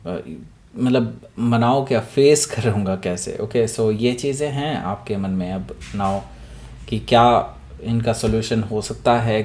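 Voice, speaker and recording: Hoarse man reading tarot. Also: lowish voice, a little mellow. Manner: mixes Hindi with English phrases, many fillers. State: sore throat, clearing it. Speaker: tarot reader. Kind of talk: casual tarot reading to camera.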